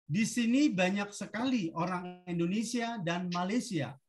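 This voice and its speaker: A woman teaching a language, reading short model sentences in a deliberate, instructional manner for repetition. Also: medium pitch, a little mellow.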